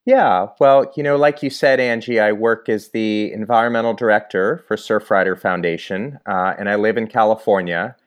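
Easygoing man from New England, lowish voice. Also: steady tone. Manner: measured, easygoing, with frequent "you know". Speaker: environmental director, guest. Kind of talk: casual podcast interview.

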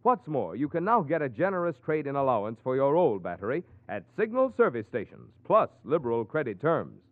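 A man's voice: mid-range voice, sing-song, brisk, no echo. A man reading a 1940s radio commercial as announcer, with an emphatic question-and-answer sales delivery. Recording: tinny, dry old radio recording.

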